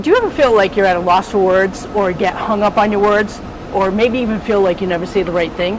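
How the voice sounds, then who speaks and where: Over noticeable background noise, a woman of medium pitch talks at a very fast pace with fairly even intonation. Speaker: talk show host. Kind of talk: show introduction to camera.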